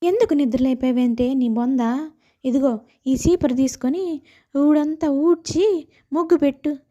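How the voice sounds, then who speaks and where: A strict old village grandmother as a woman acts her out for an animated moral story. She is bossy and quick to threaten, in a high, soft-edged voice. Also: lo-fi sound. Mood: scolding, bossy.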